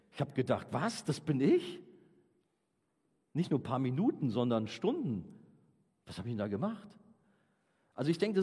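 A man preaching a sermon, earnest, rising for emphasis and slowing down to read scripture aloud. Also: a little high, a little mellow. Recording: hall with long reverb.

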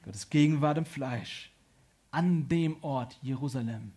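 A man preaching a sermon, often building to loud, high-pitched emphasis and then dropping to a quiet voice. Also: measured pace, breathy edge. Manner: preaching with strong surges in pitch and volume.

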